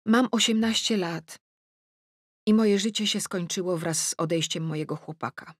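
A woman's voice: on the low side, moderate pace, no room sound, clean studio sound, voice pushed up, lightly acted. A woman voicing a heartbroken eighteen-year-old girl reading out her earnest, plaintive letter in an audiobook.

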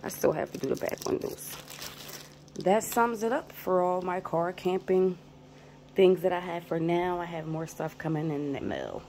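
This channel host speaks in a low-leaning, dark-toned voice, expressive and at a normal speed, as she walks through a casual show-and-tell. She films indoors on a handheld phone, and background noise is noticeable.

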